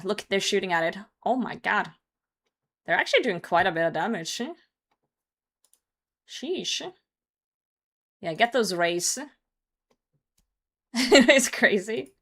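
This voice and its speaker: A woman's voice: medium pitch, vocal fry, a bit bright. A young woman who is hungover, casually chatting with her live stream and commenting on gameplay, with some swearing. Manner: sweary, reacting to chat and game. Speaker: game streamer.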